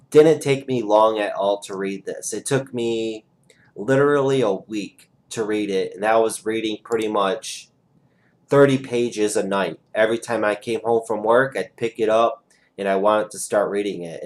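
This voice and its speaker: A young man at home reviewing a trading book over a webcam, eager and rambling as he talks with his hands. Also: lowish voice. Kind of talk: casual screen-share review. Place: small room at home, indoors.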